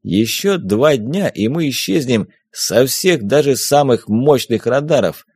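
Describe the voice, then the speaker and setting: Read by a man, a jovial middle-aged smuggler captain who teases and confides with easy confidence. His voice rises and falls in lively swings, and the reading is dry and close, with no room sound. It is an audiobook character in a spaceship tale. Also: medium pitch, measured pace, breathy edge, no echo. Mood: confiding. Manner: teasing, confident.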